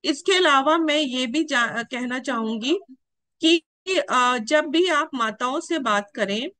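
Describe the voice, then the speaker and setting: Woman, education trainer, earnest formal delivery, bright voice, dry close mic. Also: high-pitched, slow, no room sound. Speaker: education official addressing teachers.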